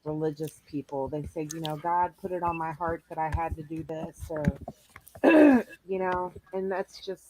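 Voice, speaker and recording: A speaker in a casual chat who talks hesitantly and trails off quietly. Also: mid-range voice, normal speed, rough recording. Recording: loud background noise.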